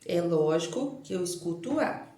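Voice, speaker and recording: A woman's voice: lowish voice, animated, moderate pace, mellow. A Brazilian woman teacher giving a lecture, explaining step by step, asking rhetorical questions and answering them, and stretching words out to stress their sounds. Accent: Brazilian Portuguese. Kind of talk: recorded lecture on early literacy. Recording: roomy, echoey recording.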